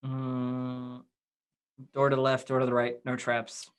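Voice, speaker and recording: A young man takes part in a tabletop game as a player. He describes his character's actions in casual, conversational speech at a medium pitch. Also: monotone, takes it slowly, clear, resonant tone. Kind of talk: casual chat, narrating own character's actions. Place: indoor room at home, on a video call.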